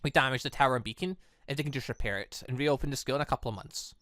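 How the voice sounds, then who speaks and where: A man reading the visual novel lines of a cold, scheming villainess in a measured, calculating manner. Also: medium pitch, fairly bright tone, no echo, studio quality, natural voice. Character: cold, scheming villainess plotting a city's downfall. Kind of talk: reading visual novel game dialogue in character.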